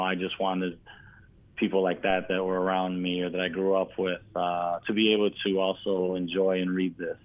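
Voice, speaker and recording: Low-pitched American man on a phone-like line. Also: no room sound. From United States. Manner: rambling, earnest, often says "you know". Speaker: poet, interview guest. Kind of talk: casual conversation. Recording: tinny narrow phone-like line.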